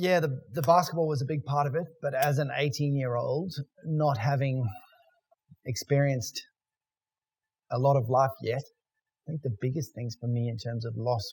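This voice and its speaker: Somewhat breathy, a man speaks at a moderate pace with long, frequent pauses. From South Africa (Natal). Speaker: interviewee sharing personal story. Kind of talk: interview testimony.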